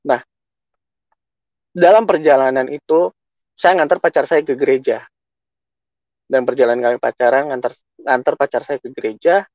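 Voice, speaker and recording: A man's voice: medium pitch, steady tone, moderate pace, long pauses, a little mellow, dry recording, muffled recording. A man giving an emotional personal testimony to a congregation, telling his story earnestly and acting out what he said. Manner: earnest, emotional storytelling with many self-quotes.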